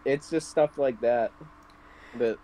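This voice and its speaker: A man co-hosting a podcast, spinning rambling stories in a mid-pitched voice. He leans on fillers and restarts and swears casually as he goes. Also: slow, mellow, poor audio. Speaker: podcast co-host. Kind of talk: casual chat.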